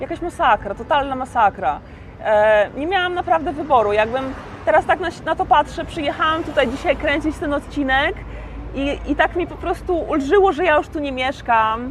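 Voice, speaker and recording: Noticeable background noise sits behind a woman's high-pitched voice. Her intonation is lively. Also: moderate pace. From Poland. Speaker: vlogger. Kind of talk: casual vlog monologue.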